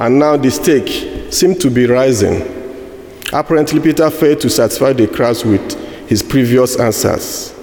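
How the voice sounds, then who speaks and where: Nigerian male preacher, slow and measured, gravelly tone, roomy echo. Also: medium pitch, darkish tone. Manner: slow, halting, with fillers and restarts. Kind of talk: sermon. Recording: echoey hall with long reverb.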